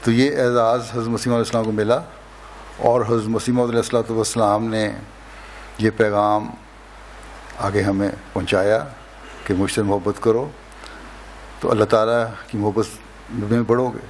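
An older man delivering a slow, measured sermon at a lectern microphone during a mosque opening, pausing often between phrases. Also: on the low side, flat delivery, a little hiss or hum. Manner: slow, measured, solemn delivery with long pauses. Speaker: religious leader giving an address. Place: indoors, mosque hall lectern. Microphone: lectern microphone, close.

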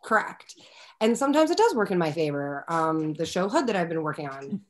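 Woman, young adult, low-pitched, animated, video call from home. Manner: animated, expressive, talks fast with many fillers. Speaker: actor, interview guest. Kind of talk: candid conversational interview. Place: home room with a window, indoors. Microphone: laptop webcam on a video call.

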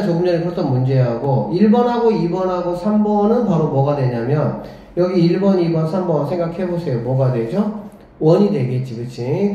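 A man's voice: fairly high pitch, mellow. A man teaching a math lesson at the board who keeps checking in with rhetorical questions and murmurs as he draws. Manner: talks while drawing on the board, murmuring along. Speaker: academy director teaching math. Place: classroom. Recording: echoey classroom on a dull lo-fi mic.

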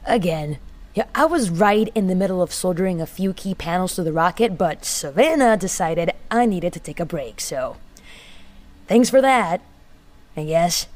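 Woman acting low-voiced, sardonic rebel engineer. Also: darkish tone, lightly acted. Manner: dry, sarcastic, matter-of-fact. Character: sardonic, defiant rebel engineer, weary of injustice. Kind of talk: audio drama acting as a spoken diary.

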